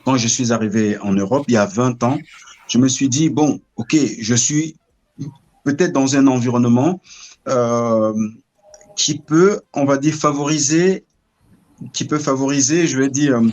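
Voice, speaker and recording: A middle-aged man from Cameroon, telling his story as an interview guest in a measured, reflective way, often pausing to search for words. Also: mid-range voice, darkish tone.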